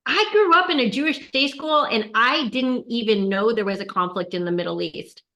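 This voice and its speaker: A woman in her fifties hosting an interview, speaking earnestly and emphatically in quick bursts. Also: on the high side, pushed and bright. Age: 50s. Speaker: host, yoga teacher. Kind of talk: conversational interview. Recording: roomy echo.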